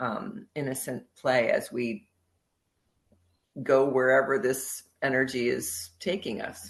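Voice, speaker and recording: In an American accent, the speaker goes at a very slow pace, with long, frequent pauses. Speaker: spiritual teacher, co-host. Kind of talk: casual spiritual chat.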